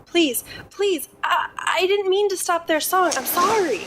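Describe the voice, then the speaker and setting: A desperate young damsel acted by a woman in an audio drama. Her voice is very high and panicked, over a noisy recording with ambient sound. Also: unhurried. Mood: pleading. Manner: pleading, panicked.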